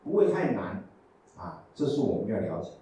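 A man's voice: lowish voice, sing-song, normal speed, warm tone, slight background noise. A man, a Buddhist monk, giving a patient dharma talk and often asking his listeners rhetorical questions. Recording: echoey hall, mic from a distance, faint ambience.

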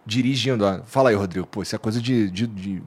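A man's voice: on the low side, quick pace, background noise. A Brazilian man hosting a casual podcast, chatty and upbeat as he reads sponsor plugs. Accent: Brazilian Portuguese. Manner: chatty, upbeat, filler-heavy. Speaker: podcast host.

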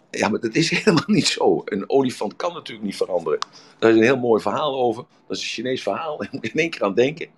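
A deep-voiced man giving a relaxed, casual talk. He rambles and fills his sentences with many hesitant pauses, drifting into storytelling along the way.

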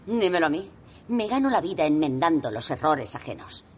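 A woman's voice: low voice, very animated, a little fast, darkish tone, slight background noise. An actress dubbing a cutting, sarcastic middle-aged mother. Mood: cold. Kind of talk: Spanish film dub.

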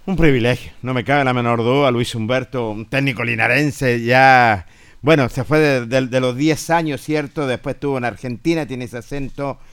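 A man with a Chilean accent co-hosting a casual sports radio show, speaking haltingly and repeating himself. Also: mid-range voice, steady tone, a bit bright, smooth, dry recording.

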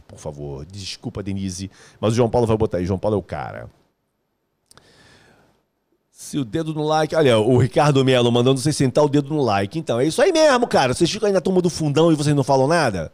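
A man from Rio de Janeiro, hosting a live music course stream, chatting casually with viewers in an energetic, slangy, joking way. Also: mid-range voice, fast talker. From Rio de Janeiro, Brazil.

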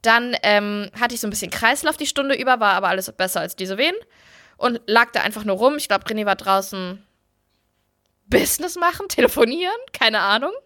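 Bright-voiced young woman telling a story. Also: mid-range voice, brisk. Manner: candid and blunt, swears freely. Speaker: podcast host. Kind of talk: casual chat, telling a birth story.

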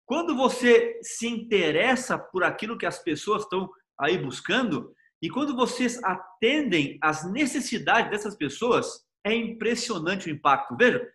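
A Brazilian pastor with a Bahian accent, giving an earnest devotional sermon told through a personal story. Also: male voice, high voice, lively intonation, normal speed, few pauses, fairly bright tone. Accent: Bahian Portuguese.

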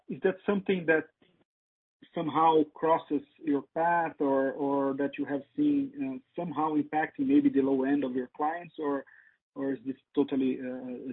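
A man, a financial analyst, politely asking unscripted questions in a halting way over a narrow phone line. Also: a little high, slightly rough. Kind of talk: unscripted earnings call questions.

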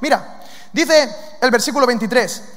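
A man from preaching a lively sermon, questioning his listeners and acting out lines from scripture. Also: very high voice, unhurried. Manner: lively, asks the audience questions, acts out demons' lines. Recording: long hall reverb.

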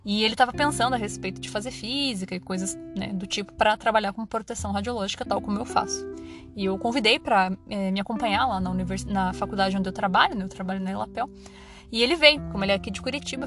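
A woman's voice: mid-range voice, fast, music in the background. A woman with a Paraná Brazilian Portuguese accent hosting a podcast in a chatty monologue, laughing and exclaiming often. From southern Brazil. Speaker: podcast host.

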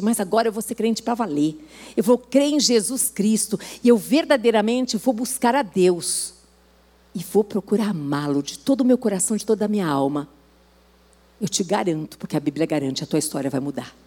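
High-voiced woman preaching a sermon. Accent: Brazilian Portuguese. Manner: earnest, exhorting, acts out quoted dialogue.

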